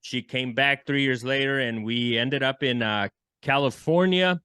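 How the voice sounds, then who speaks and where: A man from El Salvador, a musician and entrepreneur, telling his story in a relaxed, friendly way as a podcast guest. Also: mid-range voice, measured pace, smooth, no echo, clean studio sound. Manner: relaxed, friendly, with frequent fillers. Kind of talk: casual interview storytelling.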